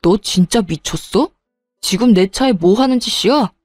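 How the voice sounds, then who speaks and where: Brief: a woman playing a defensive young fiancé, mellow dragging delivery, dry and close. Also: mid-range voice, lively intonation, normal speed, husky, dry recording, soft background music. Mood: furious. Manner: sulky, dismissive, sneering.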